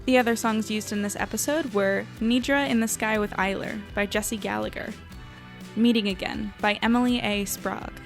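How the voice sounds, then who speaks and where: Podcast outro: woman creator, medium pitch, scripted credit read, faint music bed underneath. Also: steady tone, normal speed, vocal fry. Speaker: show creator reading credits. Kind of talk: scripted narration.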